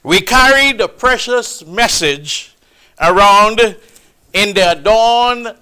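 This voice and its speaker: A man preaching a sermon, with a loud, booming, emphatic delivery, speaking into a microphone in a church hall. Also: smooth. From Trinidad. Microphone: handheld or stand mic.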